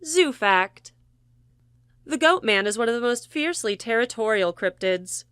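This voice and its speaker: A woman delivers scripted announcements with lively, swooping intonation. Her voice is bright and crisp-edged and a touch high. The sound is dry, with no room to it. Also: a little slow, no room sound. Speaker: credits announcer. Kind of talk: scripted narration.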